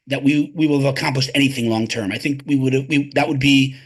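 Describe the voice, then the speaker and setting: A man with a medium-pitched, steady, breathy-edged voice talks at a quick pace as a guest tech advisor on a podcast interview. He is emphatic and conversational, and often repeats words as he starts a sentence.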